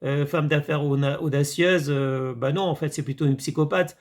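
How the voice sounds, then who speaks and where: Rambling man with a gravelly voice. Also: a little high, steady tone, normal speed. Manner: rambling, hesitant with many fillers, addresses viewers as friends. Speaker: video commentator. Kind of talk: casual monologue reviewing a series.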